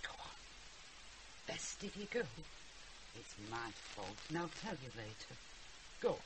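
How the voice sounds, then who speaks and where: A woman's voice: a bass voice, very animated, a little slow, heavily acted. An actress playing a feisty, mischievous old grandmother with a Northern English accent in a British radio drama, blunt, wry and earthy. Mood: defensive. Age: older. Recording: hissy, noisy radio drama recording.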